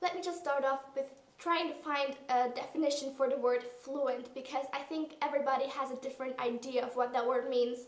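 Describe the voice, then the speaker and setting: Someone with a German accent talks at a fairly quick pace with hardly any pauses. The intonation is monotone and flat. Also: woman, high pitch for a woman. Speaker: video blogger. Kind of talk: casual advice talk to camera. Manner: casual, with many fillers.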